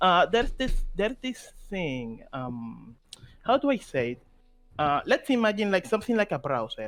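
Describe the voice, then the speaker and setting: A man with a non-native accent speaks at a moderate pace in a high pitch, with very wide pitch swings. The recording is very clean, with a silent background. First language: not English. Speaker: community member, developer. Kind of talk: podcast discussion. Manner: halting, many fillers.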